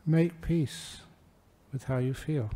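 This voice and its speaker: An older man, a Buddhist monk giving a gentle, humorous dharma talk to a gathering. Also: fairly high pitch, takes it slowly. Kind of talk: relaxed dharma talk with anecdotes.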